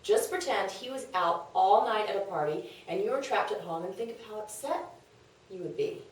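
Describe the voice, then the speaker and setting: A woman's voice: mid-range voice, lively intonation, moderate pace, close to an everyday voice. A woman playing a scheming, worldly confidante in a comedic table read, persuasive, knowing and emphatic. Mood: egging on. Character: scheming, worldly, brash female confidante of a wife. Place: echoey room, away from mic. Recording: very echoey room, distant mic.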